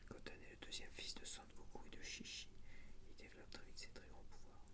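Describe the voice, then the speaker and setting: A man hosting a relaxing ASMR video, talking in a soft, unvoiced whisper as he calmly murmurs through an album, half to himself. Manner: slow, unhurried murmuring to himself. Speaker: ASMR channel host.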